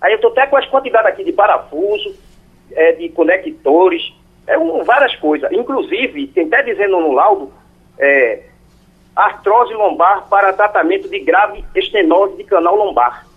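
60s guy on a tinny phone line, husky voice, halting and pleading. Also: high voice, expressive. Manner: halting, pleading, repeats himself. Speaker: caller. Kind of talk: phone-in question.

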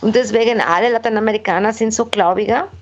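Woman speaking halting German. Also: a little high. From Mexico. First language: Spanish. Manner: halting non-native German, many fillers and restarts. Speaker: guest. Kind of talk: casual interview talk. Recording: dull lo-fi recording.

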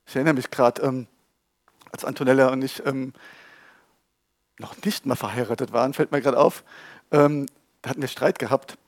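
A man preaching a sermon to a live audience in a lively, conversational way, joking and asking the listeners questions. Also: mid-range voice, moderate pace, long pauses, no room sound, clean studio sound. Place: church hall with a live audience.

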